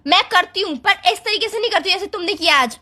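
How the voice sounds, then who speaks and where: Really high-voiced woman yelling at her bf on a call, quick, scolding. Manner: angry, scolding, rapid. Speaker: girlfriend on a call. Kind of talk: heated phone argument.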